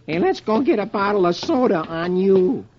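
A man's voice: high-pitched, sing-song, moderate pace, slight background noise, voice pushed up. Man playing a wisecracking young private, slightly raised voice, old lo-fi radio. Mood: breezy.

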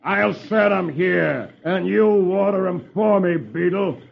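A man voicing a gruff, bossy army sergeant. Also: high-pitched, slow pace, pitched above the performer's own voice, exaggerated voice. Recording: dull old radio recording.

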